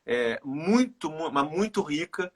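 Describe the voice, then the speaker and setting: A middle-aged man with a Carioca Brazilian accent, talking as a guest in a casual live chat, reflective and halting, repeating words as he thinks. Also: a little high, very animated. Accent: Carioca Brazilian Portuguese. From Rio de Janeiro, Brazil. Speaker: guest, runner and author.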